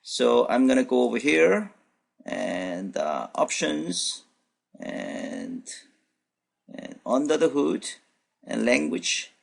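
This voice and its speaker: Gravelly man walking through a coding demo. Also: medium pitch, huge pitch swings, takes it slowly, long pauses. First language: Korean. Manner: thinks aloud with many fillers and restarts. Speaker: programming instructor. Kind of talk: unscripted screencast walkthrough. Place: at his computer, voice-over on screen recording.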